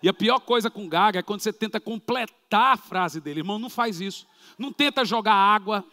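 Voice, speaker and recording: A man with a Brazilian Portuguese accent, a pastor telling a story in a sermon, lively and dramatic with shouted sound effects. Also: sits high, fairly quick. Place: church. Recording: reverberant church hall.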